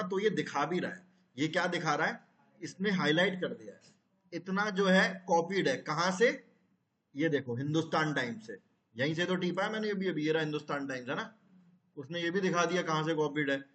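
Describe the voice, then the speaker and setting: A man's voice: fairly high pitch, a bit bright, echoey room. A man teaching a live online class, explaining step by step and asking his students questions.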